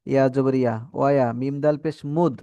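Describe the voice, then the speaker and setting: A man's voice: mid-range voice, steady tone, brisk, dark tone, no room sound, lo-fi sound. A man teaching a Quran reading class, patiently spelling out letters and vowel marks and stretching the syllables as he has the students repeat. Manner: asks the class questions and has them repeat. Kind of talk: Quran recitation lesson.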